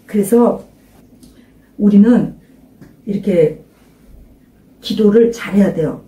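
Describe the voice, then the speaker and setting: A woman's voice: medium pitch, slow pace, warm tone. An older woman pastor preaching an informal sermon, emphatically questioning her listeners and urging them to pray aloud. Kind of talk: informal sermon to a small congregation. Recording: roomy echo, mic at a distance.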